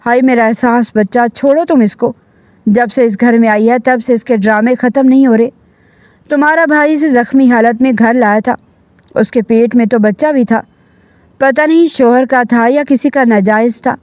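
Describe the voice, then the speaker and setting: A woman's voice: on the high side, a little mellow, no room sound, lightly acted. A scornful middle-aged mother snaps and scolds in a storybook reading, voiced by a woman narrator. The sound is close and dry. It is a little dull. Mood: scolding. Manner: scolding, harsh.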